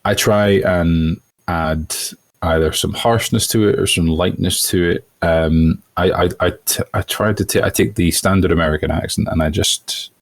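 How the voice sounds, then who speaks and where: A voice actor from Europe in a casual interview, talking thoughtfully with many restarts. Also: male voice, low voice, steady tone, normal speed, creaky, no echo. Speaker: voice actor guest.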